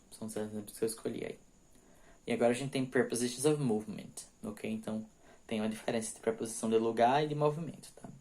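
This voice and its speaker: A man teaching English prepositions, reading example sentences slowly and explaining them quickly, often checking in with "ok?". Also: medium pitch, a little mellow. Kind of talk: bilingual grammar lesson.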